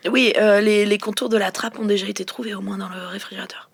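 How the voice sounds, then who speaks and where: A woman playing an improvised role-playing game, speaking casually and a little haltingly, slipping in and out of character. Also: medium pitch, vocal fry, slightly rough, no room sound.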